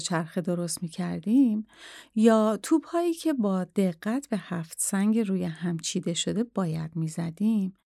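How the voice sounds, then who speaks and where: Lively intonation and a dark, mellow tone mark this woman's fairly slow speech, recorded very cleanly against a silent background. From Kurdistan, Iran. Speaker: podcast founder narrating her life story. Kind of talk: scripted memoir narration.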